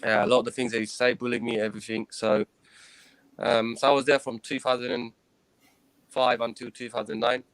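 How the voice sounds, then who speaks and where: A man in his thirties, a guest in an interview, recounting his own experiences in an earnest, hesitant way, pausing and restarting often. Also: mid-range voice, flat delivery, a bit bright, clean tone, no echo. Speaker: guest, former professional cricketer.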